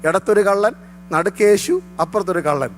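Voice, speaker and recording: A man's voice: high-pitched, fairly quick, soft background music. A man with a Malayali accent preaching a fervent sermon as a pastor, mixing in English phrases and calling out hallelujah often.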